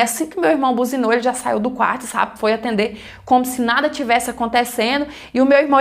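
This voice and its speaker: High-voiced woman telling a life story. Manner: plain conversational retelling with many fillers. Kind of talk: first-person life story narration.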